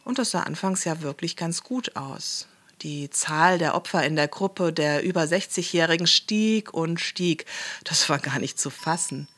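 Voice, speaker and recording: An actress playing a chatty, cynical official who guides a visitor through a facility in a satirical radio drama, blithely matter-of-fact. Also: female voice, low-pitched, expressive, unhurried, a bit bright, a little hiss or hum. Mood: smug explaining.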